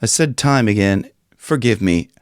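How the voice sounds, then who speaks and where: In a small room with a dark curtain behind him, a man in his forties from Ohio coaches singing in a relaxed, chatty manner, demonstrating with occasional sung lines that grow raspy up high. His pitch is fairly low, his intonation lively, his pace moderate. He uses a stand-mounted studio mic and headphones, and the recording is dry and studio-quality.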